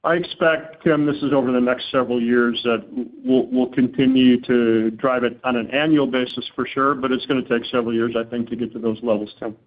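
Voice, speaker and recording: A man's voice: medium pitch, fairly even intonation, brisk, few pauses. A man speaking as a company executive on an earnings call, answering questions informally and often repeating words as he goes. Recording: narrow phone-like conference line.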